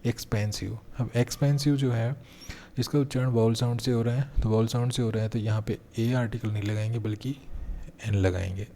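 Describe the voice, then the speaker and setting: A man teaches an exam-prep grammar lesson in a mellow, fairly flat voice, explaining each point step by step. He slows right down whenever he reads an example sentence aloud. A faint hum of room noise sits behind his close-miked voice. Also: mid-range voice. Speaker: English teacher.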